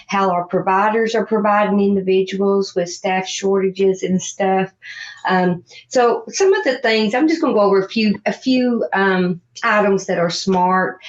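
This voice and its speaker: A woman presenting at a meeting over a Zoom video call, talking in a halting way with frequent "um"s. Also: mid-range voice. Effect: heard over a Zoom video call. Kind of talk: informal presentation at a virtual meeting. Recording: dull, lo-fi video call audio.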